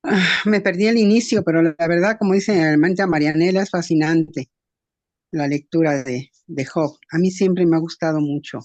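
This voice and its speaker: Reflective devout class participant, mid pitch. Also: moderate pace, darkish tone, highs cut off. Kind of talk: class discussion.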